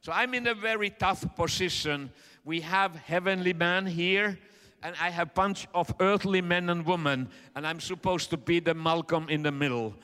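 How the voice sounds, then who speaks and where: A middle-aged man with a Finnish accent preaches in English, his voice high and bright. He is earnest and halting, with plenty of "uh"s. His voice rings out in an echoey hall. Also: clear, resonant tone. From Finland. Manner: earnest, halting with frequent fillers. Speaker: preacher and interpreter. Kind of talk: sermon.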